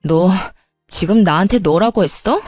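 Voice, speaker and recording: A woman's voice: fairly low pitch, animated, unhurried, a little mellow, no room sound, studio quality, soft background music. A woman voicing a spoiled, entitled sister-in-law who bickers indignantly in a dramatized story.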